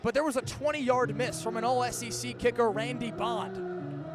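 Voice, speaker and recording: A man's voice: very high voice, steady tone, moderate pace, over loud music. A young American man calling live football play-by-play in an emphatic, dramatic way. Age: young adult. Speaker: sports play-by-play announcer. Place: stadium football broadcast.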